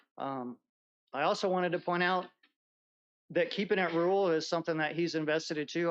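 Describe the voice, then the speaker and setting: This voice belongs to a man. He keeps his intonation fairly even. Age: 60s. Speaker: public commenter, farmer. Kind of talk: public comment at county meeting. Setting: county board meeting.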